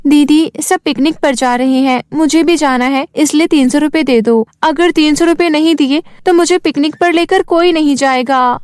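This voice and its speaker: A woman voicing a stubborn, sulky poor schoolgirl in a children's cartoon, whiny, demanding and quick to talk back. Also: high voice, darkish tone, no echo, voice pushed up, close to an everyday voice. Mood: pleading, demanding. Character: stubborn, sulky poor schoolgirl who craves pretty clothes.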